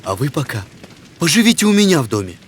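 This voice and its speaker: A man voicing a brave, earnest young village lad, the hero of an animated fairy tale. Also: fairly high pitch, fast. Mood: resolute.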